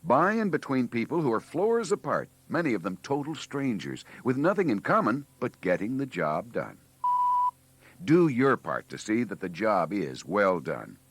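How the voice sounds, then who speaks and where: A man's voice: medium pitch, big pitch swings, normal speed, slightly rough, no echo. A man reading scripted narration for a 1980s training filmstrip, with a preachy, wry delivery.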